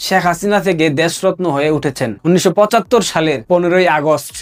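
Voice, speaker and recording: A man's voice: sits high, fast. A man delivering a fiery partisan political monologue, taunting his opponents and asking rhetorical questions. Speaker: political commentator.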